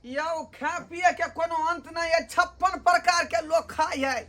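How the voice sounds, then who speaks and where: A woman's voice: very high-pitched, fairly even intonation, measured pace, fairly bright tone. A woman playing a poor, weary older village in-law in a comedy skit, who pleads and complains. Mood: lecturing.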